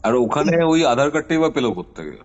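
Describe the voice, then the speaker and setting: A man's voice: a little high, big pitch swings, quick pace. A man hosting a call, casually questioning and prompting the storyteller. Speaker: host taking a caller's story. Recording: dull lo-fi call recording over music. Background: music.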